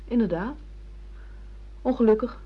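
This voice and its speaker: A woman's voice: on the high side, a little slow, husky. A woman acting a self-assured secretary and secret mistress in a Dutch radio play, frank and reproachful as she lectures her boss. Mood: composed. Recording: muffled lo-fi radio play recording.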